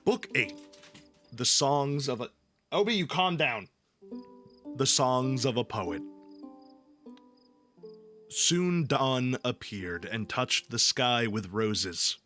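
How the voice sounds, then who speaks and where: A man's voice: medium pitch, expressive, takes it slowly, pauses often, sharp tone. A playful, irreverent man hosting a livestream, moving between casual chat and reading aloud. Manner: playful, irreverent, profane, jokey. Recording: background music under the voice. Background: ambient background music.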